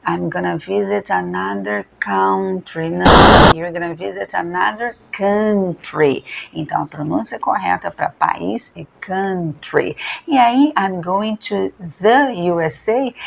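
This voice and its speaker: A Brazilian woman with a Brazilian Portuguese accent, an English teacher giving a pronunciation lesson to camera, slowing down to model English words. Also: on the low side, creaky, husky.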